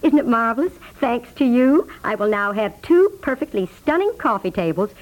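A breezy American neighbor lady played by an actress gushes in a high voice with big swoops of pitch. She sounds thrifty and pleased with herself, in the emphatic style of 1950s radio comedy on a vintage recording. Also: lively intonation, moderate pace, close to an everyday voice, rough recording. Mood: gushing, pleased.

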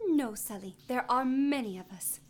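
An actress playing a calm, kindly woman leader who explains things at length and travels with her dog. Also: high voice, moderate pace, very noisy, natural voice. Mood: friendly. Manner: polite and knowledgeable, prone to rambling.

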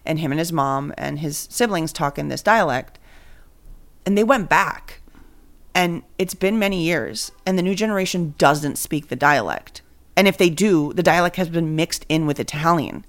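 A woman's voice: deep voice, expressive, moderate pace. A woman from Venezuela hosting a podcast, chatting casually and thinking aloud with fillers. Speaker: podcast host. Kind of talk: casual chat.

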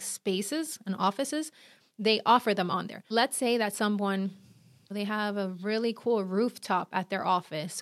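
A woman in her thirties with a Puerto Rican accent talks through venue hunting, lively and direct, tossing in quick asides. Her voice sits at an ordinary middle pitch. The sound is dry and close, with no room around it. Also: dry recording. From Puerto Rico. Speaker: event planner and podcast host. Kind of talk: instructional talk.

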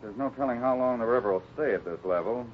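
A man playing a steady, fatherly cowboy ranch boss in a 1950s radio serial, firm and plain-spoken as he takes charge. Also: mid-range voice, quick pace, natural voice. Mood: businesslike. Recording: muffled, noisy old radio recording.

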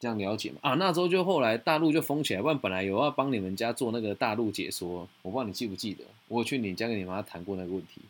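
Fast-talking, husky man. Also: fairly low pitch. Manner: frank, teasing, fast and animated. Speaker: podcast host and mentor. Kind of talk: casual advice chat.

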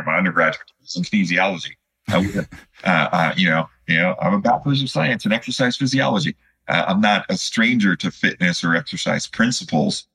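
A man in his fifties from Chicago, answering as a podcast guest in a conversational, halting and reflective way. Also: deep voice, bright, forceful tone, slightly rough. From Chicago, United States. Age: 50s. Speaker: podcast guest, student physical therapist.

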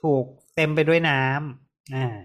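A young man hosting a casual medical podcast, relaxed and chatty, laughing often. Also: mid-range voice, measured pace. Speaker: podcast host.

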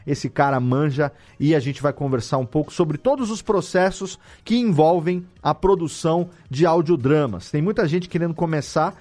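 A Brazilian man hosts a casual podcast in Portuguese. His voice sits a little higher than most men's. He talks informally and chattily, often restating a thought in new words. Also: normal speed, hardly any pauses, darkish tone. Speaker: podcast host.

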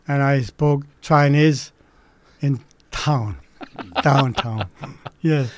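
Man, 80s, Korean accent. Halting, filler-heavy interview answers, unhurried, close and dry. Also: medium pitch, no echo. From Manchuria. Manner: slow and hesitant, many pauses and fillers. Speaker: interview guest. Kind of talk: oral history interview.

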